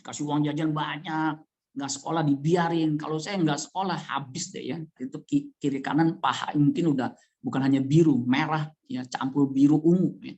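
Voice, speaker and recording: Male pastor, conversational sermon in church, animated delivery that leans on sudden rises in pitch. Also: moderate pace, muffled recording. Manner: animated, with wide swings of pitch and loudness; conversational, addressing the congregation directly.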